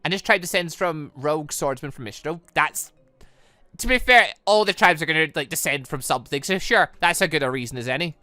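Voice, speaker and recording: Male gaming host, lively swooping delivery, slightly high voice, close dry sound, trips over words. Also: brisk, no echo. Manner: stumbles over words and corrects himself. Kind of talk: visual novel read-aloud with off-the-cuff commentary.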